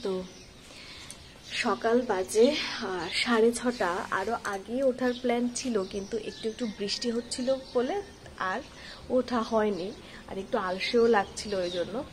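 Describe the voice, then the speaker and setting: A woman's voice: a little high, unhurried. A woman chats familiarly to her viewers as she narrates a casual travel vlog. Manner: chatty, addresses viewers familiarly. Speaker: travel vlogger, host. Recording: clearly noisy outdoor ambience. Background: ambient noise.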